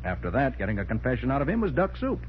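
An actor playing a shrewd, commanding master detective, explaining assertively and slangily in 1940s radio crime style on a muffled vintage recording. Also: male voice, mid-range voice, wildly swooping pitch, rapid-fire, slight background noise. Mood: confident explaining.

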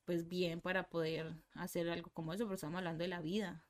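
A woman's voice: on the low side, level tone, fast talker. A young woman with a Medellín Colombian Spanish accent, chatting casually as a podcast guest, rambling with many fillers and restarts.

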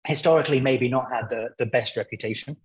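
A man's voice: mid-range voice, fast talker, husky. A man speaking as a football pundit guest in a conversational interview, explaining his points with hesitant, searching phrasing.

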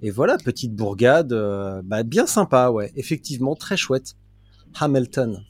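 A man's voice: medium pitch, animated, a little slow. A man hosting a podcast, chatting casually with his guests in a playful, teasing way. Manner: teasing, playful, frequent fillers. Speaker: podcast host.

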